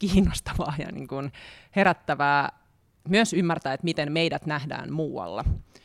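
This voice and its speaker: Here is a woman with an ordinary speaking voice, fairly low in pitch and with ordinary pitch variation, talking at a fairly slow pace. The sound is dry and close with no echo, on a very clean recording with a silent background. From Finland. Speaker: journalist and author. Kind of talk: interview.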